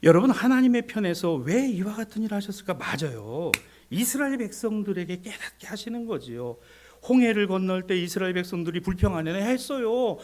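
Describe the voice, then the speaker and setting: A male pastor delivers a sermon in a high, lively voice that climbs and drops sharply. He moves between raised, urgent exhortation and near-whispered asides, speaking straight to his congregation and acting out the voices of people in the story. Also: brisk. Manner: addresses congregation directly, acts out voices of people and God.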